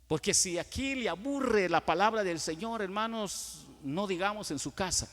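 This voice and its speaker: A male pastor with a Guatemalan Spanish accent preaching a sermon in a church, swelling to loud emphasis and dropping to quiet asides. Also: high-pitched, animated, moderate pace. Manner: acts out dialogues with churchgoers. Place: church sanctuary. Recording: long church reverb.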